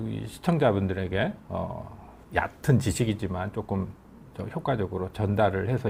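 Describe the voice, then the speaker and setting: A man with a somewhat breathy voice speaks at a fairly slow pace. His pitch is fairly low, with ordinary variation. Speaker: oncology professor giving a health lecture. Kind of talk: lecture. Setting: live lecture. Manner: somewhat halting, many fillers.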